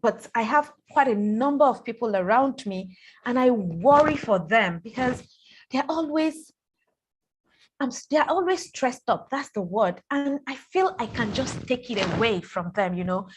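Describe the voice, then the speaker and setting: A woman hosting a live online talk, speaking warmly and haltingly, often repeating words as she thinks. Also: a little high, expressive, slight background noise. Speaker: host.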